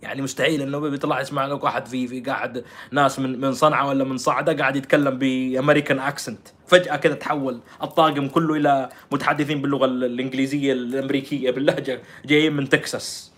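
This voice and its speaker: Fast-talking man, scornful commentary. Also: mid-range voice, little pitch movement. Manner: scornful, rhetorical, jumps between loud and quiet. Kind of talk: political commentary.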